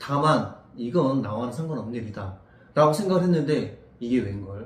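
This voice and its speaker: A man speaks at medium pitch and a moderate pace, somewhat breathy in sound. His intonation is lively, and the room echo is audible. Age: 40s. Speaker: local council candidate. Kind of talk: interview.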